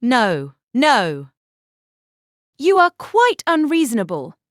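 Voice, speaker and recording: A spirited young gentlewoman, protesting in emphatic, well-formed phrases. The voice is high and very animated, with a dry, close sound suited to a full-cast period audiobook. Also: takes it slowly, no room sound, exaggerated voice. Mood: emphatic objection.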